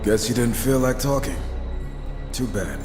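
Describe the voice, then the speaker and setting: A man's voice: medium pitch, animated, a little slow, close to an everyday voice. An actor playing an irreverent, sardonic gunslinger horseman in a game cutscene, talking with casual, cocky sarcasm. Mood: taunting. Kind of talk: video game cutscene acting. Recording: long reverb with faint music.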